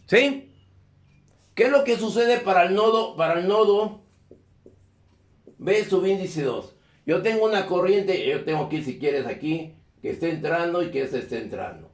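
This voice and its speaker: High-voiced teacher checking in with students. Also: male voice. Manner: constantly checks in with questions to the class. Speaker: electrical engineering teacher. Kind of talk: live class lecture. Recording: echoey classroom.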